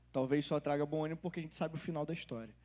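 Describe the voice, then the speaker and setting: An animated man with a fairly high pitch, in a very clean recording against a silent background. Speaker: pastor. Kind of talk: sermon.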